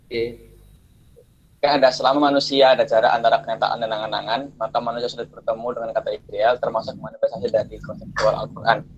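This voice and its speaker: A man's voice: medium pitch, flat delivery, fast, husky, lo-fi sound. A male student answering hesitantly in an online class, his audio breaking up over the call and asking to be corrected. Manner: hesitant, apologetic, asks to be corrected. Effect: choppy online call audio breaking up.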